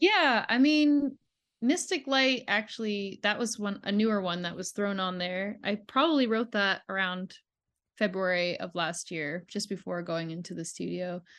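A woman speaks in a plain, everyday voice with a Canadian accent, her pitch medium and her intonation lively. She talks at a moderate pace against a quiet background. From Ontario, Canada. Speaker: singer-songwriter. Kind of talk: interview.

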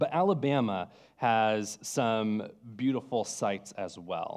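A man has a plain, everyday voice with a General American accent. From California. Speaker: preacher. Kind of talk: sermon. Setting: church.

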